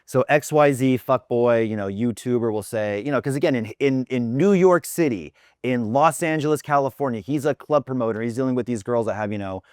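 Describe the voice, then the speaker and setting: Profane, animated male podcast host. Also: mid-range voice, brisk, hardly any pauses, smooth, dry recording, studio quality. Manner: animated, profane, exaggerating for laughs. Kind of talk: casual chat.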